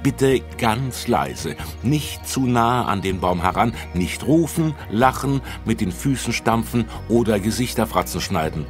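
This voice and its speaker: A man voicing a young guide who carefully hushes visitors, speaking slowly, in a children's audiobook. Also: on the low side, animated, music in the background, pitched above the performer's own voice. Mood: hushed.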